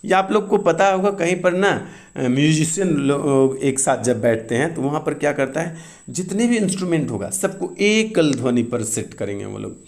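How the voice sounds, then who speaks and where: A man with a Bihari Hindi accent going through exam questions one by one, explaining the answers in a casual, quick teaching manner with frequent asides. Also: fairly high pitch, expressive.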